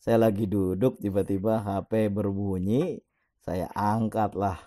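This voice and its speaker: A man's voice: on the low side, fairly even intonation, measured pace, dark tone. A middle-aged man, casually telling a personal story with frequent chuckles. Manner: chatty, laughs often while telling; opens with Islamic greetings and prayer.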